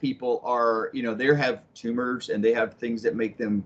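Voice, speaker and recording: A man with a normal speaking voice talks at a moderate pace. His intonation is lively. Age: 60s. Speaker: panel guest. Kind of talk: casual chat.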